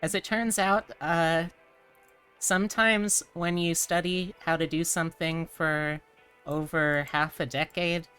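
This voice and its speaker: A woman's voice: sits low, a bit bright, smooth. A woman hosting a casual live stream, chatting and thinking aloud in a rambling way. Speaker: streamer host.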